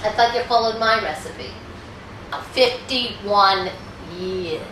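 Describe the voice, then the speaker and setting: A woman's voice: mid-range voice, slow pace, pushed and bright. A woman playing a fussy, dramatic elderly wife who nags fondly in a comedy sketch. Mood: grudging fondness. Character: elderly wife Maxie, fussy, nagging yet fond. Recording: echoey room, distant mic, faint noise.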